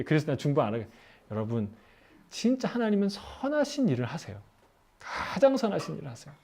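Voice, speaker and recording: A man's voice: mid-range voice, mellow. A middle-aged man preaching a sermon in church, talking conversationally, asking the congregation questions and laughing at his own stories. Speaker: pastor. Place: church sanctuary.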